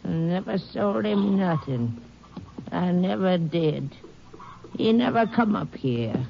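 A man's voice: high-pitched, lively intonation, slow pace, gravelly, exaggerated voice. A man playing a strange, guarded old backwoods mother in a 1950s radio drama, speaking in terse rustic phrases. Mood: defensive. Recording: noisy, muffled old radio recording.

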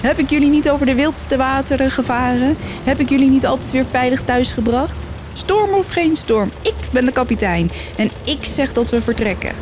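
A furious old-time ship's captain barks orders over the storm, his voice pushed high and hard, as a woman narrator puts him on. He growls his words and will not be crossed. Faint noise hums behind him. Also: moderate pace, hardly any pauses, close to an everyday voice. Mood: wild. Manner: growling, bellowing commands. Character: fierce, hot-tempered male Dutch sea captain.

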